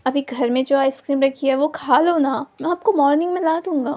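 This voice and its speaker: A worried young husband, as a woman reads him, coaxes and reasons with gentle exasperation. The tone stays high and light. It is plain storytelling, barely changed from the reader's own voice. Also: fairly even intonation, fairly quick, lightly acted. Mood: coaxing. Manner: coaxing, exasperated.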